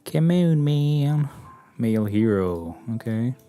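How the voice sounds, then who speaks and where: A man's voice: mid-range voice, lively intonation, slow pace, warm tone, clean tone, soft background music. A man streaming a game, chatting casually and muttering and swearing at what happens on screen. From Albania. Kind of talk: casual gameplay chat.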